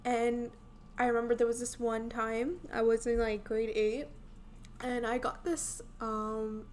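A woman's voice: a little high, flat delivery, measured pace, slight background noise. A young woman from India with a light Indian accent, chatting casually about her own experiences and filling her talk with "like" and restarts. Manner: chatty, filler-heavy, many "like"s and restarts. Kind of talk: casual personal chat.

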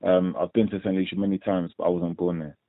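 A man's voice: low voice, level tone, fast, dry recording. A young man from London with a London accent, a professional boxer answering interview questions in a laid-back, rambling way full of fillers. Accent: London English. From London, England. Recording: tinny dry phone line.

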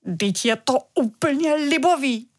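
A woman's voice: high voice, expressive, voice pushed up. A woman voicing a boisterous father who loves his dumplings, in a children's storybook reading. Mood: dismayed. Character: excitable dumpling-loving father, grown man.

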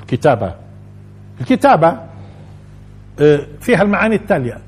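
شيخ بلهجة شامية، صوت مبحوح فيه حدة خفيفة، أسلوب تعليمي تكراري يخاطب المستمعين. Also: male voice, on the high side, very animated, fast talker, breathy edge, soft background music. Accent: Levantine Arabic. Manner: explains by repeating phrases and asking the audience questions. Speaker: religious teacher. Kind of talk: Quran commentary lesson.

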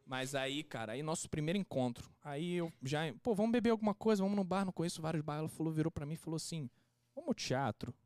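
A young man, a podcast guest casually telling an anecdote in a slangy, animated way and acting out the quotes. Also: on the high side, fast talker, hardly any pauses, clean tone, dry recording.

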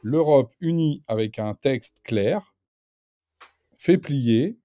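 Animated man with a dark, dry voice. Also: mid-range voice, very slow, no echo. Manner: animated, emphatic, many fillers and restarts. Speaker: guest commentator. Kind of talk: casual radio discussion.

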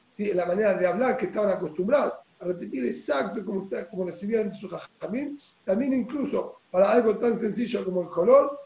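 A man's voice: sits high, vocal fry, darkish tone. A man with a Rioplatense Spanish accent teaching a Talmud lesson, explaining step by step and checking in with his listeners as he goes. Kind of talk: religious text lesson. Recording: echoey room, dull lo-fi sound.

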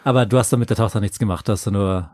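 A man improvising a comedy scene, an animated storyteller who breaks into loud high voices. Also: very fast, no room sound. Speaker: improv performer.

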